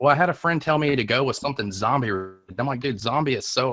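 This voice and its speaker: Speaking in a Southern US accent, a man uses lively intonation and a bright, sharp tone at a moderate pace. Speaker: YouTube horror narrator. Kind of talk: casual chat. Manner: halting, many fillers.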